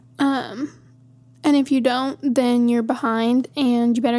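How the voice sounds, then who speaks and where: In a monotone, flat delivery, a woman with a slight Southern US accent speaks at a moderate pace and a high pitch. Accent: slight Southern creeping in. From Montana. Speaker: podcast host. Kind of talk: solo casual monologue. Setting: home recording. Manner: frequent ums and likes.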